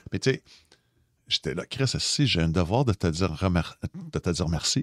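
A man speaks at a moderate pace in a very deep, low voice with lively intonation, the recording very clean with a silent background and a dry, close sound free of echo. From Montreal, Quebec (Verdun). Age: 40s. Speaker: city councillor. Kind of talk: casual interview chat.

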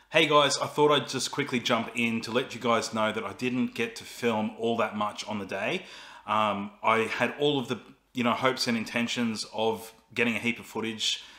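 A man talks at a moderate pace, his intonation fairly even, with a quiet background behind him. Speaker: vlogger. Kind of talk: casual vlog chat. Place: home room. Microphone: phone near.

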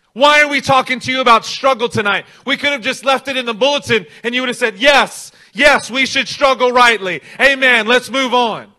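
A man with extremely high pitch and a bright, sharp tone uses a raised, projected voice. His delivery is animated and fairly quick over a quiet background. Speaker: pastor. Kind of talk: sermon. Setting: church with congregation. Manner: animated, call-and-response, urging the congregation. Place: church. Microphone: handheld.

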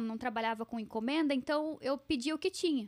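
A woman with a high pitch speaks at a fairly quick pace, using ordinary pitch variation, over a quiet background. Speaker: cosmetics reseller and influencer; cosmetics reseller, influencer. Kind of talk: interview. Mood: relaxed, reflective storytelling. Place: studio. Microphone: studio mic.

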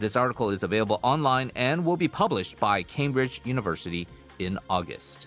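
Dry sound with no echo, faint music in the background, and a man at medium pitch, fairly quick, with very wide pitch swings. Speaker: radio host, news presenter. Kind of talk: radio news headlines. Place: studio.

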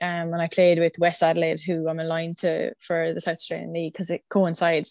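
In a dry sound with no echo and a quiet background, a woman talks very fast in a fairly low pitch with monotone, flat intonation. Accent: Irish. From Ireland. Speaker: professional women's Australian football player. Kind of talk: sports interview. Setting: remote call from Australia. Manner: casual, hesitant with many fillers. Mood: relaxed, friendly. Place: home room. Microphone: video call.

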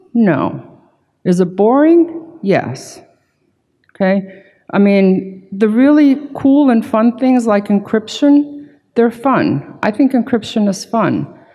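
Against a quiet background, a woman speaks very slowly in a somewhat breathy, dark, mellow tone. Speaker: network security expert, keynote speaker. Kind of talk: conference keynote talk; audience Q&A answer. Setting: conference stage with audience. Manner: speeding up to finish. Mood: lightly humorous. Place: hall. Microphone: podium.

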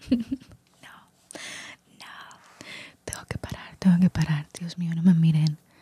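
A woman whispers at a very slow pace with long, frequent pauses. Her loudness swings widely, and the sound is dry with no echo. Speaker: ASMR creator. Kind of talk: ASMR video. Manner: whispered. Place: home room. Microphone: studio mic.

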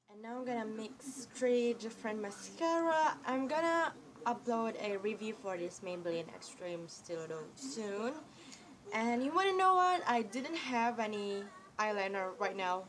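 The voice moves at a fairly slow pace with very wide pitch swings and big swings in loudness. Audible room echo and noticeable background noise fill the recording. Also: woman, fairly high pitch for a woman. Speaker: beauty vlogger. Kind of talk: makeup tutorial. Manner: casual chatty.

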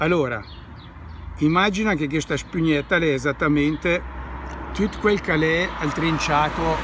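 With a Ticino accent, a man speaks at a fairly slow pace and fairly high pitch with ordinary pitch variation, the sound dry with no echo and background noise noticeable. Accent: Ticino Lombard dialect. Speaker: gardener. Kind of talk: explanatory demonstration. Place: street. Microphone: phone near.

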